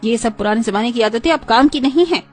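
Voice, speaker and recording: A woman voicing a snobbish, modern middle-aged mother-in-law who talks in a sharp, dismissive way. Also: fairly high pitch, fast talker, faint music behind, lightly acted. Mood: irritated.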